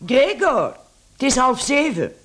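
Worried mom calling out in radio drama, high voice, unhurried, echoey. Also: female voice, very animated, heavily acted. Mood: urging. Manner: calling out, urging. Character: worried, urging mother of a grown son. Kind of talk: radio play acting. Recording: echoey room.

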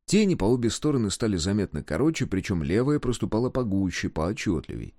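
Male narrator, expressive storytelling, lively pitch, dry close mic. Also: fast talker, dry recording. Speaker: audiobook reader. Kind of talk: scripted narration.

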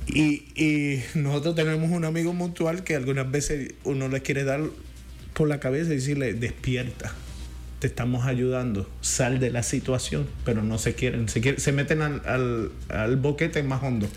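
Puerto Rican man telling lively stories. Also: medium pitch, normal speed, faint music behind. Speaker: pastor. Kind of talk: casual faith talk.

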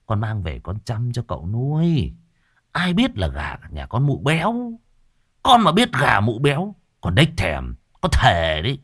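Brief: man voicing a sheepish servant in a spoken story, wheedling excuses, lively pitch, dry sound. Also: unhurried, no room sound, exaggerated voice. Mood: excusing. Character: young servant Hải, sheepish and full of excuses.

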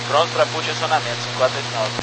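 A man with a Brazilian accent reads back clearances as a pilot. His voice sits slightly high and comes over a noisy radio with engine-like hum, in short procedural phrases. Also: steady tone, rapid-fire. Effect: aviation radio. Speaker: airline pilot. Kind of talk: clipped radio readback.

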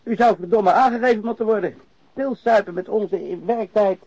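An actor playing a rude, impatient warehouse workmate who jeers and curses, in a radio drama. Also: male voice, high voice, moderate pace, a little mellow, slightly rough, no echo. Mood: irritated, sneering. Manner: jeering, cursing. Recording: dry, dull lo-fi radio recording.

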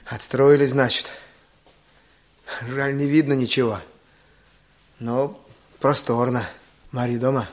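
An actor in a Russian radio drama playing a bold bandit on the run, self-assured and hushed. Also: male voice, mid-range voice, fairly even intonation, takes it slowly, pauses often, close to an everyday voice. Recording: noisy old radio play recording.

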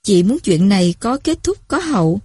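A woman voicing a calm young mother who speaks with gentle conviction about caring for her child. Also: medium pitch, normal speed, breathy edge, no echo, clean studio sound. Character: calm, content young mother of a sick baby.

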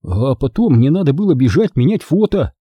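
A man's voice: fairly high pitch, sing-song, a little fast, slightly rough, no room sound, muffled recording, voice pushed up. A male audiobook reader voicing an eager schoolboy who pleads and protests. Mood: upset.

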